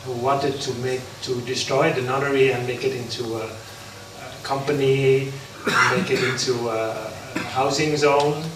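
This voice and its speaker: A man from the Netherlands, a Buddhist monk, giving an unprepared talk at an interfaith forum, halting with many pauses. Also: mid-range voice, steady tone. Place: large hall. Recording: echoey hall from far off, background noise.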